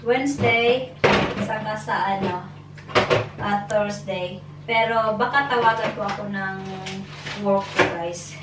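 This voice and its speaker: A woman's voice: medium pitch, a little slow. A young Filipino woman chatting casually to her vlog viewers, mixing two languages as she goes. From Philippines. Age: young adult. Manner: chatty, mixing Tagalog and English. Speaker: vlogger. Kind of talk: casual vlog chat, showing groceries. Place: small home kitchen indoors. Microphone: camera on the counter, a little away. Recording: roomy, distant mic, clattering household noise.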